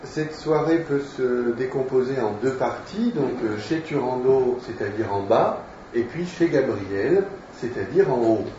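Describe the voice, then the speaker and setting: A male teacher giving a literature lecture, explaining at a slow, hesitant pace with frequent fillers. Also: mid-range voice, expressive, warm tone, slight background noise. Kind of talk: literature lecture, reading aloud. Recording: echoey room, distant mic, dull sound.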